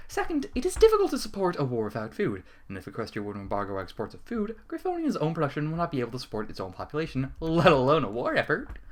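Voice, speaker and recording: A man's voice: a little high, huge pitch swings, quick pace, hardly any pauses. A man giving a dramatic, formal reading of a fan fiction letter as narrator, with the odd stumble.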